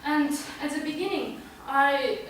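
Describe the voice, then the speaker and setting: A woman, a native Kazakh speaker with a Kazakh accent, haltingly delivering an amateur motivational speech with long searching hesitations. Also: high voice. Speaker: club speaker. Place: meeting room, recorded from a distance. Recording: very echoey room, distant mic, faint noise.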